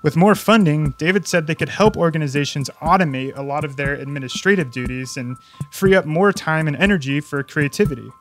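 A man narrating a news feature as a reporter, steady and measured. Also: on the high side, soft background music.

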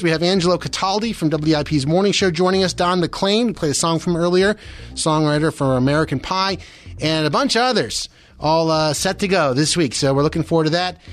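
A man's voice: high voice, fairly quick. A man hosting a Christian talk radio show, speaking conversationally in an earnest, encouraging, explanatory way. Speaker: radio host.

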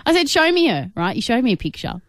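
A woman's voice: fairly high pitch, sing-song, fast, a bit bright, no echo, clean studio sound. A woman hosting radio, bantering casually in a teasing, mock-earnest manner. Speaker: radio host. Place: radio studio.

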